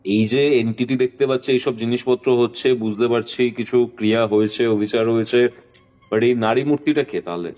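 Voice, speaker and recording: A man's voice: medium pitch, moderate pace, a little mellow. A man hosting a call, casually questioning and prompting the storyteller. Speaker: host taking a caller's story. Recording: dull lo-fi call recording over music. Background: music.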